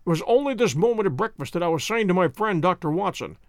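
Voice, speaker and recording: A man's voice: sits high, expressive, no room sound, studio quality. A man playing a cool, dryly amused detective. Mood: calm dry. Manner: measured, dryly amused, precise. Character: cool, ironic male detective, composed.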